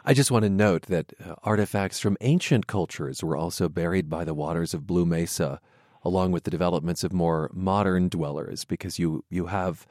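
A man hosting on public radio, his lowish voice steady and measured. He speaks into a studio microphone in a dry, close room. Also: no room sound. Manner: measured, crisp broadcast delivery. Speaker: radio host. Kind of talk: public radio interviewing and reading.

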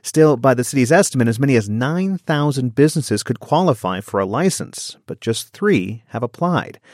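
A man reading a scripted news outro in a crisp, formal delivery at a studio microphone. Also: mid-range voice, dry recording. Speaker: news anchor.

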